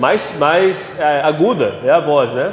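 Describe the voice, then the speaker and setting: A man with a fairly high-pitched voice speaks in a room with audible echo and noticeable background noise. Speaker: physics teacher. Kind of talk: classroom lecture. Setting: classroom with students. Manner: informal, conversational.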